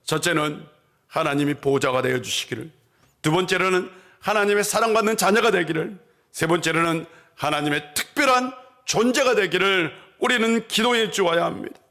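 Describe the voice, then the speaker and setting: A man's voice: normal speed, gravelly, sharp tone. A male pastor preaching a Sunday sermon in a church, asking the congregation questions and answering them, and acting out quoted voices. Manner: acts out quoted voices in a higher pitch. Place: church sanctuary.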